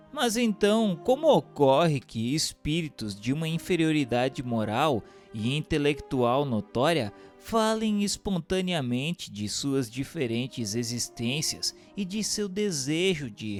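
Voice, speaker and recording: A man's voice: medium pitch, lightly acted. A Brazilian man playing an earnest student who questions spirits formally in a radio drama. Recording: music behind the voice.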